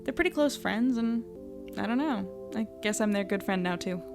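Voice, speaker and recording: A woman's voice: medium pitch, expressive, moderate pace, creaky, over music. An actress playing a guarded young woman in a naturalistic audio drama, hesitant and understated. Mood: hesitant, casual. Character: guarded young woman, new in town, independent.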